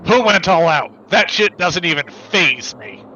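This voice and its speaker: Cocky young delinquent played by a man for a game; forceful edge, swaggering, slightly muffled mic. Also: high voice, lively intonation, unhurried, full character voice. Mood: brash. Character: brash, swaggering young tough guy. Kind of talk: amateur voiced playthrough of a visual novel game. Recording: dull mic with faint background noise.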